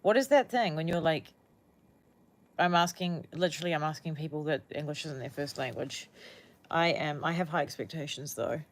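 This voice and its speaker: A woman's voice: sits low, normal speed. A young woman with a New Zealand accent chatting casually with viewers on a livestream, rambling and often searching for words.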